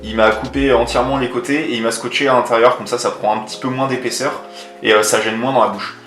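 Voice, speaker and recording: A man presents a product in a relaxed, colloquial vlog style. His voice sits at an average pitch and carries noticeable room echo. He explains things step by step over background music. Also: fast. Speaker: motovlogger reviewing a product. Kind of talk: casual hands-on product demonstration. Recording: roomy echo, faint music underneath.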